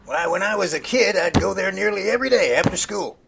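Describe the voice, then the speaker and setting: An actor playing an enthusiastic, bookish professor in an audio drama, eager and folksy. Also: male voice, high-pitched, animated, brisk, gravelly, noisy background. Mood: eager, nostalgic.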